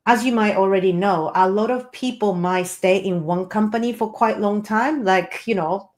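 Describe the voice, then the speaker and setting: A woman's voice: mid-range voice, normal speed, darkish tone. A woman in her forties whose first language is Japanese, chatting as a guest in an interview, with many fillers and frequent laughs. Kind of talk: casual interview conversation.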